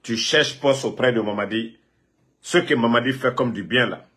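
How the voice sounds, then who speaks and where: Bright-voiced man scolding on a live video. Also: medium pitch, normal speed. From Guinea. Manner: scolding, taunting, repeats himself. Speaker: political online commentator.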